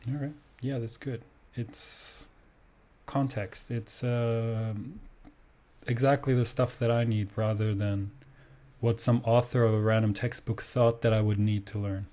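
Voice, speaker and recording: German male host, native German speaker, mellow timbre, enthusiastic casual interviewer. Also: medium pitch, fairly even intonation, unhurried. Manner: enthusiastic, says "awesome" often.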